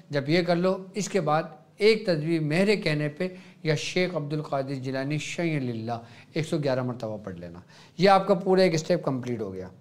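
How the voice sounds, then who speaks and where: A man with a Pakistani Urdu accent gives religious instruction as a Sufi guide. His voice sits a little high for a man. He explains each step patiently and drops into soft chanting to demonstrate.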